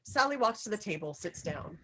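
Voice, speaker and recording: A woman's voice: medium pitch, big pitch swings, brisk, a bit bright, husky, poor audio. A woman narrating stage directions in an informal script table read.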